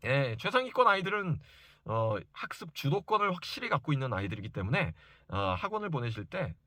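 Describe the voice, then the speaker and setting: A man's voice: fairly high pitch, very animated, a little fast, pushed and bright, no room sound, studio quality. A man giving an informal educational talk to parents as a study coach, speaking emphatically and insistently and repeating key points for stress. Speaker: private reading and study coach advising parents.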